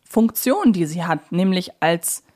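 A woman's voice: fairly low pitch, lively intonation, a little slow, a little mellow. A woman co-hosting a podcast, discussing fictional characters in a casual, thoughtful and opinionated way. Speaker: podcast co-host. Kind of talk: casual fan discussion of audio drama characters.

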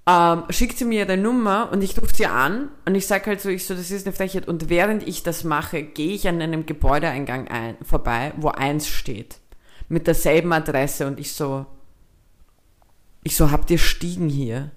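A woman's voice: sits low, moderate pace. A young woman with a Viennese Austrian accent, co-hosting a podcast. She tells a story in casual chat, swears freely, drops English slang and acts out both sides of the dialogue. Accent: Viennese Austrian German. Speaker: podcast co-host.

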